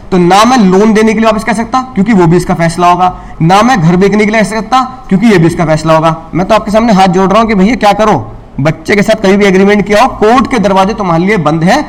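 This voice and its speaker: High-voiced man lecturing a class. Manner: asks the class questions and answers them himself, repeats key lines; mixes English legal terms into Hindi. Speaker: law lecturer.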